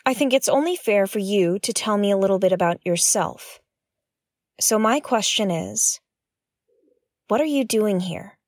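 Exasperated space explorer, very animated pitch. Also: female voice, unhurried, long pauses, dry recording, clean studio sound. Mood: pointed, impatient. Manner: sarcastic, indignant, emphatic. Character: exasperated, blunt, suspicious female space explorer. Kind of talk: scripted science-fiction audio drama acting.

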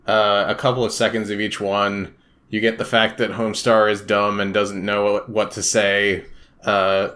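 A man's voice: lowish voice, sharp tone. A man co-hosting a casual podcast, easygoing and a little hesitant, laughing often. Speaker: podcast co-host.

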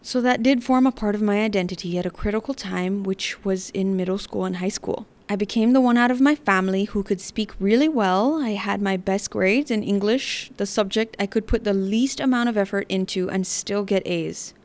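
A woman in her thirties from the Northern Mariana Islands hosts a podcast, reading personal narration with a light Chamorro accent. Her mid-range, somewhat dark voice sounds measured, articulate, and reflective.

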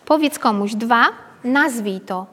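A pedagogue leads a parenting workshop, talking to the group in a chatty, informal way and often checking in with tag questions. Her voice is fairly high and a bit bright, and she speaks slowly. A hall gives the recording long reverb.

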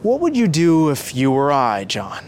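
An anxious, sincere storybook youth, put on by a male narrator, full of worried questions. The pitch is high and very mobile, with faint noise behind. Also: wildly swooping pitch, a little slow, darkish tone. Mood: anxious, questioning. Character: anxious, sincere youth seeking religious guidance.

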